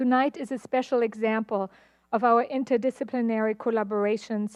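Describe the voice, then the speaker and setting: A woman with a German accent, fairly high in pitch and fairly even in intonation, at a moderate pace, with a dry, close sound with no echo over a quiet background. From Germany. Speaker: university administrator and historian. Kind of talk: formal event introduction. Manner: formal.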